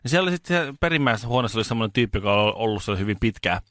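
A man hosting a casual podcast chat, telling a story with halting restarts and self-mocking jokes. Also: fairly low pitch, animated, fairly bright tone, no echo, clean studio sound. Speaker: podcast host.

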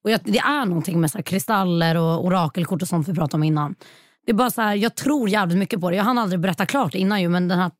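A woman's voice: lowish voice, no echo, clean studio sound. A woman, a podcast guest, telling a personal story in casual chat, swearing often and acting out what people said. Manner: chatty, swears often, acts out quotes.

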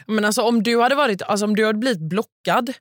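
A woman's voice: on the high side, dry recording, studio quality. A young woman from Gothenburg with a Gothenburg Swedish accent, chatting casually as a podcast co-host with lots of fillers. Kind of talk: casual chat.

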